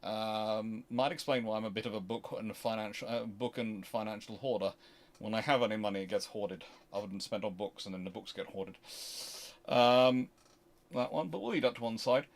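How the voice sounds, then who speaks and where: A British man hosting a casual question-and-answer chat, talking in a rambling, halting way and often interrupting himself. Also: lowish voice. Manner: rambling, halting, animated anecdotes with self-interruptions. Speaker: host answering viewer questions.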